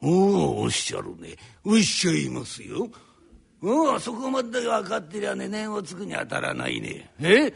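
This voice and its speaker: A male rakugo storyteller voicing a haughty, spiteful older landlord who talks down in drawn-out Edo downtown speech. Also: sits high, sing-song, gravelly, husky, exaggerated voice. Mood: contemptuous. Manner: sneering, condescending, drawn out.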